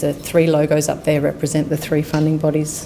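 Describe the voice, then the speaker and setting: A voice with an Australian accent moves at a fairly quick pace over noticeable background noise. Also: woman. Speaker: researcher and physiotherapist presenting. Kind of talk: research presentation.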